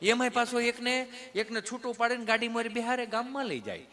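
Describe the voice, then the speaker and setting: A man with a Kathiawadi Gujarati accent performing a stand-up comedy monologue, telling stories in an animated way and acting out family members. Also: very high-pitched, fairly quick. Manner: animated storyteller who mimics family members.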